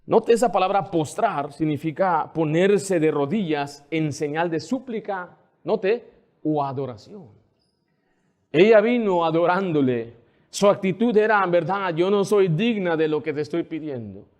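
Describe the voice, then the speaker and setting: Man, pastor, sermon, high voice, fervent, emphatic repetition. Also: lively intonation, a little slow, a little mellow.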